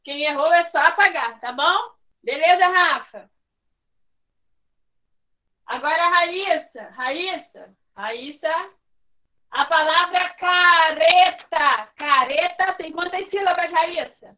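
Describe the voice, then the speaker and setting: A woman's voice: very high-pitched, animated, slow, pauses often, bright, forceful tone, lo-fi sound. A woman, teaching a class online and patiently coaxing her pupils by name with repeated questions. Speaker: primary school teacher.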